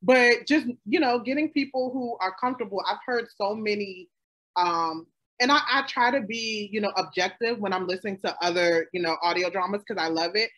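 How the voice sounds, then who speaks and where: A woman's voice: mid-range voice, brisk, low-quality recording. A woman with a slight lisp, a voice actor and audio drama creator, telling stories animatedly on a panel. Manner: animated storytelling, acts out quotes. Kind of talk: panel discussion.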